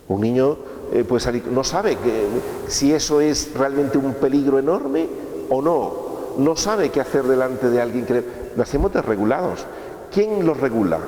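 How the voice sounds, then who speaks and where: A man gives a course lecture in a relaxed, conversational manner, often stopping to ask his listeners a question or check they follow. His voice sits in the middle range. It rings through a large echoey hall, with a faint hum of the room behind him. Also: medium pitch. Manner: conversational, asks rhetorical questions with tag checks.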